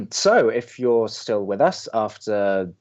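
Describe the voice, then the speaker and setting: A man playing a sarcastic, reluctant young college radio co-host with an American accent and a deadpan manner, in audio drama banter. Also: on the low side, takes it slowly, highs cut off. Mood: exasperated. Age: young adult.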